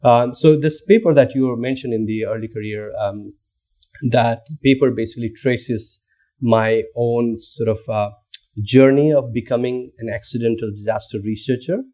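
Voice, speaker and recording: Here a man from Nepal, a thirtysomething researcher and guest lecturer, speaks in a mellow mid-range voice at a moderate pace. His thoughtful academic talk is peppered with fillers and restarts.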